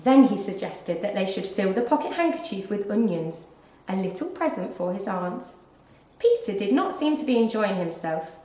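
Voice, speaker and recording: Animated woman reading in a roomy space. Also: medium pitch. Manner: animated, deliberate storytelling. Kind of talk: expressive children's storybook narration. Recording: dull, roomy lo-fi recording.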